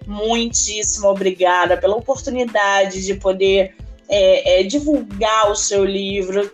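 A woman with a Brazilian Portuguese accent hosting a podcast interview, effusive and drawn-out in her speech. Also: medium pitch. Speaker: podcast host.

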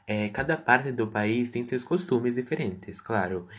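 A man's voice: medium pitch, lively intonation, a little slow, a bit bright. Man reading prepared interview answers. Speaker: interview guest.

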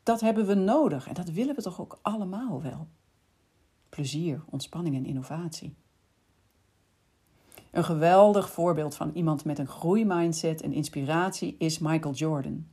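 Woman, podcast host, warm low voice, slightly breathy, calm scripted narration. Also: normal speed. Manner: calm explaining, addresses listener directly.

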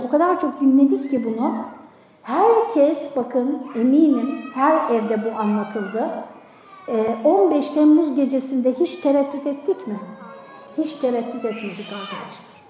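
An older woman delivers a sermon talk in a high, ringing voice. She hammers home her points by repeating them and firing off rhetorical questions. The sound carries the echo of a large mosque hall. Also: mellow. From Turkey. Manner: emphatic, repeats key words, rhetorical questions. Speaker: retired preacher. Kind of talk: sermon talk to a women's group.

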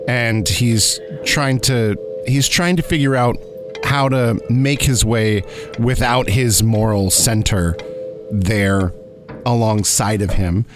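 A man casually recapping his tabletop character, hesitating and repeating phrases as he thinks. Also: mid-range voice. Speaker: podcast producer and player. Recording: music behind the voice.

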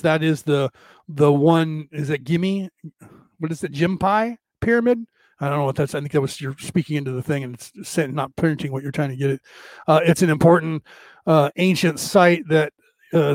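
A middle-aged man with a rough, odd-sounding voice, hosting a rambling, casual spiritual talk for a live audience. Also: a little high, a little mellow, dry recording. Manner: rambling, many restarts and fillers. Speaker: livestream host.

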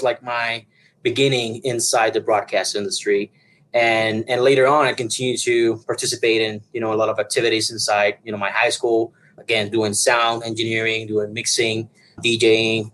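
A man's voice: on the low side, fairly bright tone, low-quality recording. A man from Puerto Rico in his thirties, a broadcast engineer talking as an interview guest, rambling with many fillers and restarts. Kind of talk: conversational interview.

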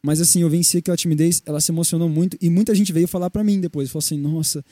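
A man's voice: on the high side, rapid-fire, dry recording. A young man with a Brazilian Portuguese accent, telling personal faith stories in a casual Christian podcast chat and acting out the quoted dialogue. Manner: animated storyteller, acts out quoted dialogue. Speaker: podcast co-host.

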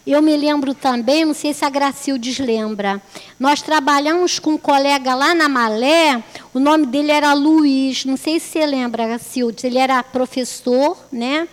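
A woman's voice: high-pitched, normal speed, in a large hall. A woman giving a religious talk, telling stories in a chatty way, repeating phrases and asking rhetorical questions. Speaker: lay speaker at a spiritist center.

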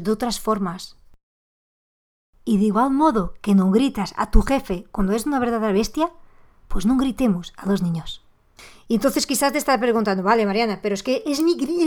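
A woman hosting a parenting podcast, speaking straight to the listener in an expressive way with sudden exclamations. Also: a little high. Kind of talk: podcast monologue addressed to listener.

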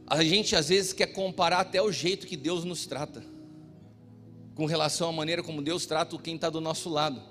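A middle-aged Brazilian pastor preaching a sermon with personal stories, shifting between loud exhortation and quiet storytelling. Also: male voice, a little high, steady tone, fairly quick. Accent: Brazilian Portuguese. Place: church. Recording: reverberant church hall with music.

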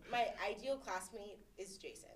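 A woman's voice: mid-range voice, normal speed. A woman in her twenties chatting casually as a podcast co-host, telling stories in a candid, sarcastic way. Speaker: podcast co-host, law student. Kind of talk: casual chat.

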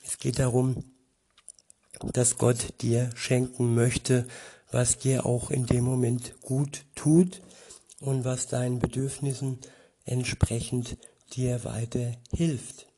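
A man giving an informal Bible teaching, reflective and hesitant, often pausing with fillers. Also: mid-range voice, flat delivery, mellow, a little hiss or hum. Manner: slow, reflective, with frequent hesitations. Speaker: preacher.

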